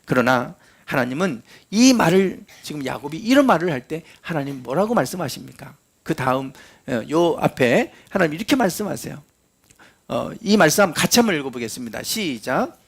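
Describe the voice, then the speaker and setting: A man's voice: on the high side, sing-song, normal speed, creaky, slightly rough. A middle-aged male pastor preaching a sermon, telling the story and acting out the quoted lines.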